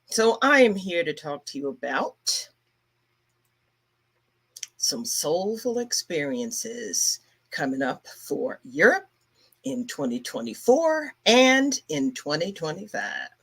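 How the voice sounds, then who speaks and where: Slow-talking woman hosting a livestream. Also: low-pitched, sing-song, a bit bright, breathy edge. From Brooklyn, New York. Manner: chatty, greets viewers by name. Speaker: travel agency owner and livestream host. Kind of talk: casual livestream chat.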